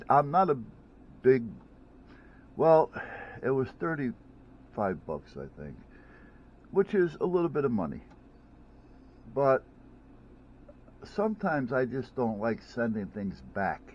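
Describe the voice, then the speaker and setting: A low-voiced man rambles through a casual gadget chat at home, restarting sentences and piling on fillers. The recording sounds a little dull, with a faint hiss underneath. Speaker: vlogger reviewing gadgets.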